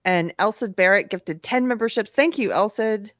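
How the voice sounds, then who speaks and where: A woman's voice: mid-range voice, moderate pace, a bit bright, no room sound, studio quality. A woman hosting a live panel discussion who reads viewer donation messages aloud and thanks the people who sent them. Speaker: panel host.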